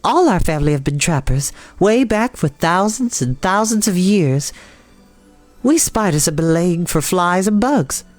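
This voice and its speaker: A woman's voice: lowish voice, animated, unhurried, darkish tone, dry recording, soft background music, pitched above the performer's own voice. A woman voicing a small female storybook spider, pleasant, proud and matter-of-fact, with a thin, light voice. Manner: pleasant, precise, self-assured.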